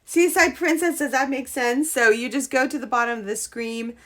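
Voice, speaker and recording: A woman hosting a casual live crochet stream, chatting with viewers, her voice a little hoarse from a cold. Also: high-pitched, fairly even intonation, moderate pace, a bit bright. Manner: chatty, greets viewers, trails off and restarts. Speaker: crochet livestream host.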